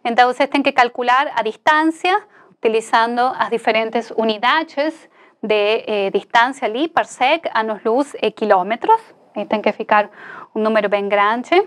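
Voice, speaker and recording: High-voiced woman with Spanish-accented Portuguese. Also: moderate pace, a bit bright. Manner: mixes Spanish words into Portuguese. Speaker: astronomy lecturer. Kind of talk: explanatory recorded lecture. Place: indoor lecture studio beside a large screen.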